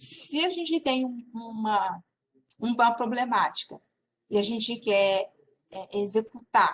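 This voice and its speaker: A woman with a fairly high pitch talks at a very slow pace, leaving long, frequent pauses. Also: ordinary pitch variation. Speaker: instructor in public budgeting course. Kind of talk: lecture.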